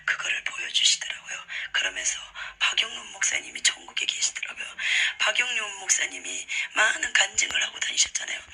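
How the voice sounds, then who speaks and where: Woman preacher, whispered testimony, breathy hushed delivery, sharp bright tone, fairly high voice. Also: rough recording. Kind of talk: religious testimony sermon.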